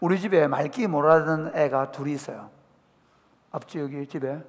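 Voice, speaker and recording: A middle-aged man with a Gyeongsang Korean accent, preaching a lively sermon and telling stories with humor. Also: a little high, fairly quick. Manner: animated storytelling, acting out people's voices with humor. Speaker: pastor. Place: church sanctuary. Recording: church hall reverb.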